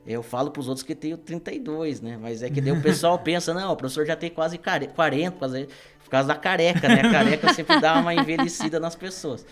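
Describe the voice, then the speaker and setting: A man's voice: on the high side, fairly quick, soft background music. Laid-back man in his thirties. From Brazil, grew up in Paraná. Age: 30s. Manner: relaxed storyteller, laughs easily, restarts with fillers. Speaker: guest, engineering professor. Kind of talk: casual podcast interview.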